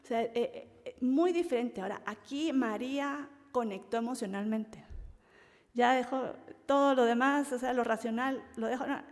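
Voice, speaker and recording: A woman leads a Bible study in an animated, expressive way, acting out the voices of the people she quotes. Her voice sits a little high. A long reverb trails behind each phrase. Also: moderate pace. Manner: animated, acts out quoted voices, laughs often.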